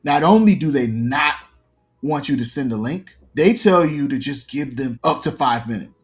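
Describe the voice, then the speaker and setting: Soft music plays behind an animated, mid-range male voice moving at a moderate pace. He's a fiction podcast creator in his early forties, guesting in a conversational interview with earnest, reflective, detailed answers.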